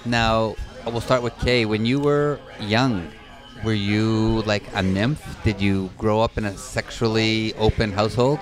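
Male host, low register, probing and steering, audible music bed. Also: fairly even intonation, a little slow, few pauses. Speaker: podcast host. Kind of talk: hosting an interview.

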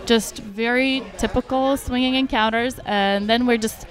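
A woman's voice: a little high, fairly even intonation, unhurried, soft background music, low-quality recording. A woman from Russia who grew up speaking Russian, a podcast guest talking openly and frankly in casual chat. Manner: open, frank, talks freely with many likes and you knows.

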